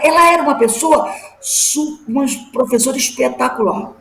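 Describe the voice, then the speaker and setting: A middle-aged woman teaching a class, telling personal stories with lively emphasis and rhetorical questions. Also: fairly high pitch, echoey room, rough recording. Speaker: class teacher at a spiritist study group.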